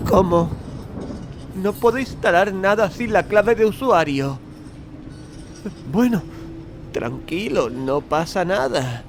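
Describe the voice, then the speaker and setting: An actor playing a deranged, obsessive patient in an audio drama, frantic and theatrical. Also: male voice, on the high side, noisy background. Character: deranged, obsessive male asylum patient craving horror.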